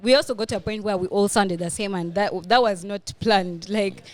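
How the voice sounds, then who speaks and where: A woman with a Ugandan accent speaking in casual podcast chat, explaining things in an animated way and acting out her examples. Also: medium pitch, fairly quick. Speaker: guest, media personality and podcaster.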